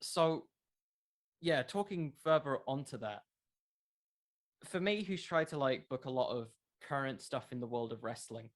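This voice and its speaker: Casual interview guest: young adult male, middle pitch, earnest, rambling explainer. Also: unhurried, long pauses. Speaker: interview guest, wrestling content creator.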